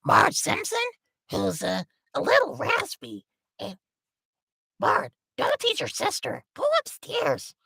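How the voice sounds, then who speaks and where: A man voicing a raspy cartoon mother in a very high voice. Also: huge pitch swings, slow pace, bright, forceful tone, dry recording, studio quality, full character voice. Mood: scolding. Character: cartoon mother, middle-aged woman, nagging but kind.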